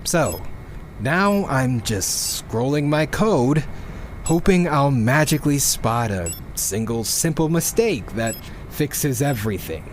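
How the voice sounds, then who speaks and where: Weary programmer with animated pitch. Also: male voice, takes it slowly, a little hiss or hum. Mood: exasperated. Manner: exasperated, swearing, sighing. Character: frustrated sweary male programmer on a doomed earth. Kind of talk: audio drama monologue.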